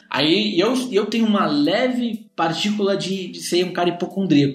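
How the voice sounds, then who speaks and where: Moderately paced speech from a man, an audible room echo and noticeable background noise around it. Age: 30s. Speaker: software developer. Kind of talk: casual chat.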